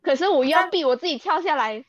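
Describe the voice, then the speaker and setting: Malaysian woman, kinda high voice, candid interview talk, dry dull sound, throws in english words. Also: expressive, fast talker, dry recording. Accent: Malaysian Mandarin. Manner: earnest, mixes in English words. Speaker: interview guest, athlete.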